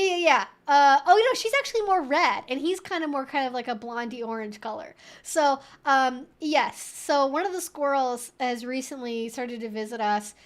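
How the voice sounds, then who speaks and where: A woman hosting a casual Q&A livestream, talking in a chatty, rambling way full of informal asides. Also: on the high side. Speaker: livestream host answering viewer questions.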